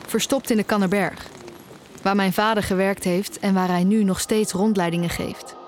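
A woman's voice: mid-range voice, fairly even intonation, normal speed, natural voice. An actress playing an anxious, stubborn young woman, a student, narrating and talking in an audio drama in an intimate way. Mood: brooding, uneasy. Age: young adult. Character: anxious, stubborn young female music student, nearly blind.

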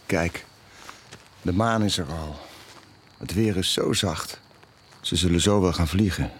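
A man's voice: low-pitched, a little slow, slight background noise. An actor playing a genial, joking middle-aged father who works as a tour guide, in an audio drama. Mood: quiet, gentle.

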